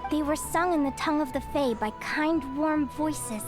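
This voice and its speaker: A woman voicing a high, curious young bird fae. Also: moderate pace, music in the background, close to an everyday voice. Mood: wistful. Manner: articulate, eager and wistful. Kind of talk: video game voice acting.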